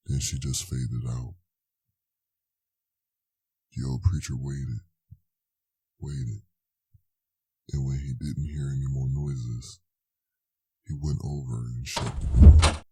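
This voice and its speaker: Male horror narrator: very deep and dark, slow, suspenseful delivery of a scripted tale. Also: breathy edge, dry recording. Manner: deliberate, suspenseful. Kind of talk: scripted dramatic narration of a scary story.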